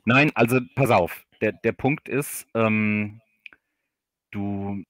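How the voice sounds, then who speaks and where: A man chatting casually as an interview guest, explaining things haltingly and repeating words as he thinks. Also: fairly low pitch, a bit bright, no room sound, studio quality. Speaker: audio drama author, livestream guest.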